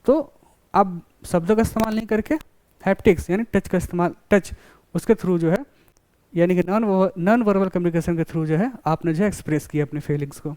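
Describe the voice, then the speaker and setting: Man, college lecturer, high voice, dry close sound. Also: fairly quick, a little mellow, clear, resonant tone, no room sound. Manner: explains with classroom examples, often checks understanding. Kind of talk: classroom lecture.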